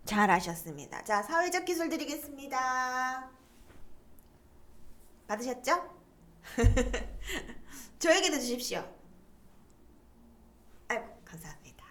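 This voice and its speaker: A woman's voice: high-pitched, sing-song, slow pace, pauses often, fairly bright tone. A middle-aged woman giving a lecture, explaining terms and leading students to read aloud together. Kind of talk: online lecture on stress coping.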